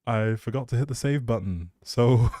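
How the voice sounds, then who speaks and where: A man's voice: medium pitch, moderate pace, mellow, no room sound. A man hosting a livestream, rambling casually and chattily, often breaking off mid-thought, speaking close to the mic. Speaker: live streamer, host.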